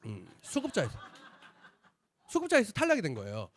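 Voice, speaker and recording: A man giving a sales seminar talk, telling his family story in an animated way and acting out the voices of the people in it. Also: high-pitched, a little fast. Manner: animated storyteller, acts out quoted dialogue. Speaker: business presenter.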